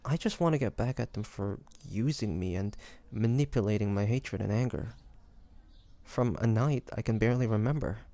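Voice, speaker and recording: A man playing an earnest, guilt-ridden demon hunter in an audio roleplay, speaking gently and haltingly to the listener. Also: fairly low pitch, lightly acted. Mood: reflective, remorseful. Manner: hesitant, halting, soft-hearted delivery with pauses. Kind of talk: dramatic audio roleplay acting addressed to the listener.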